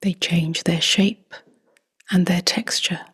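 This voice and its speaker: A woman speaking softly and gently in a near-whisper as she guides a meditation, unhurried, with long pauses. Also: on the low side, steady tone. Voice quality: soft, breathy, near-whispered. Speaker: meditation teacher.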